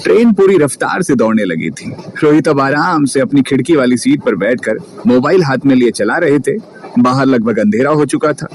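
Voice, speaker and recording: A man narrating a story in a lively, colloquial way. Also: mid-range voice, moderate pace, slight background noise. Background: music.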